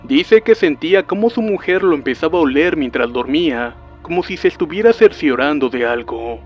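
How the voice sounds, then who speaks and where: A man narrating a witch horror story in a calm, even storytelling voice. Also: fairly high pitch, normal speed. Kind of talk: scripted narration. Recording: dull lo-fi sound with faint music.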